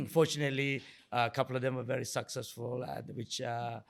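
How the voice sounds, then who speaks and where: A middle-aged man from Sri Lanka speaks as an interview guest. His voice sits at a medium pitch with noticeable creak. He talks conversationally and haltingly, often doubling words and rephrasing mid-sentence. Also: steady tone. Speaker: guest, entrepreneur and investor.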